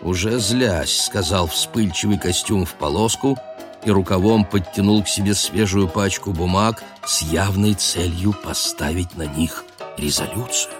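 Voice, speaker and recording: A man narrating a literary audio drama in a measured storytelling manner. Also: sits low, faint music behind.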